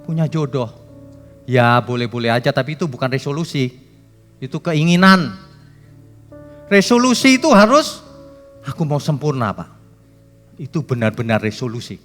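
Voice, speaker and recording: A man's voice: medium pitch, expressive, normal speed, long pauses, faint music behind. Emphatic male pastor preaching in a hall. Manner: emphatic, swings from loud to soft; jokes with the congregation. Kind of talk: sermon.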